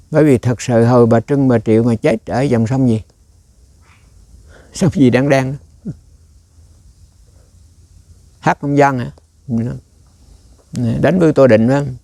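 A man's voice: mid-range voice, steady tone, unhurried, pauses often, mellow, no room sound. A man giving a rambling, conversational dharma talk as a Buddhist monk, often turning to quiz his listeners.

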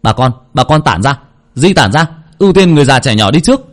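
Guy doing a young dude yelling orders quick and loud. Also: mid-range voice, sing-song, voice pushed up, lightly acted. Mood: urgent. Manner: shouting orders. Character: young man commanding a crowd, urgent.

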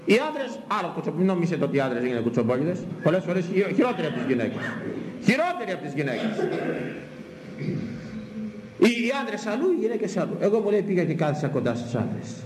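Older greek priest, fiery sermon, higher voice, echoey church hall with faint room hum. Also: male voice, sing-song. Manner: impassioned preaching with sharp swings of pitch and repetition. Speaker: Orthodox priest.

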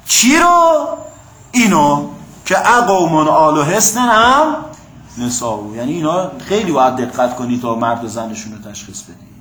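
A man's voice: high-pitched, fairly bright tone. A man teaching a class on Quranic exegesis and Arabic grammar, explaining step by step and often checking whether the students have followed. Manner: explanatory, asks the class "got it?". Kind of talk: classroom lecture. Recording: echoey room, faint hum.

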